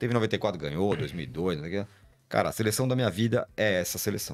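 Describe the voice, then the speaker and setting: With lively intonation and vocal fry, a man with a fairly low pitch rattles along at a very fast pace. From Brazil. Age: 40s. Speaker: football commentator. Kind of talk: casual interview chat. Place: studio. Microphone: studio mic.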